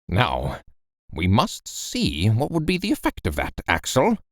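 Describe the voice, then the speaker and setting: Male narrator as a commanding elderly professor, impatient, lively pitch, storybook reading. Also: measured pace, no room sound, clean studio sound, exaggerated voice. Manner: brusque, commanding. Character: stern, excitable old male professor.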